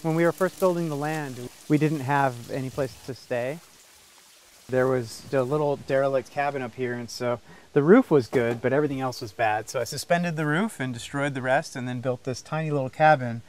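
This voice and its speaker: A man's voice: mid-range voice, moderate pace. Earnest man giving a practical farm tour. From United States. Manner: earnest, practical, explains step by step. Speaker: farmer and craftsman. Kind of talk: casual explanatory tour. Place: small off-grid farm, indoors and outdoors.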